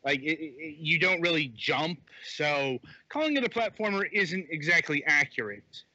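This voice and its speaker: Reviewing games on a casual podcast, this male co-host has a higher-pitched voice with lively intonation and a normal speed, his tone bright and forceful. His talk is loose chat, packed with fillers and false starts. It's captured dry on a muffled, low-fidelity phone microphone.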